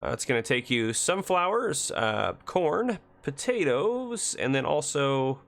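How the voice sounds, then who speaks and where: Gravelly, congested male host, rambling game commentary. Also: medium pitch, big pitch swings, slow pace, a bit bright. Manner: chatty, rambling, self-correcting. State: congested from a cold. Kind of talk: casual gameplay commentary.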